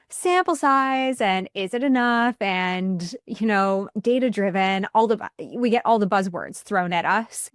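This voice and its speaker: A woman's voice: medium pitch, dry recording, clean studio sound. A woman hosting a podcast, upbeat and chatty, often laughing as she asks questions. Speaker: podcast host. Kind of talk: podcast interview.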